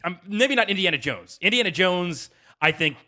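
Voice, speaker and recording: A man's voice: high voice, animated, moderate pace, sharp tone. A man co-hosting a casual gaming podcast, talking in choppy phrases as he rephrases and qualifies his points. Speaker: podcast co-host.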